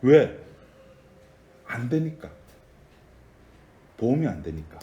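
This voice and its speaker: A man's voice: medium pitch, very animated, takes it slowly, dark tone, roomy sound, lo-fi sound. A man preaching a sermon in a conversational style, often asking the congregation questions. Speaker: pastor.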